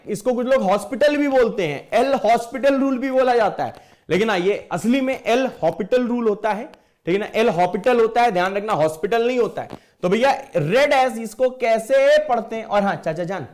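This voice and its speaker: A middle-aged man teaching maths in an online exam-prep lecture, playful and jokey, calling his students "beta". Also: high-pitched.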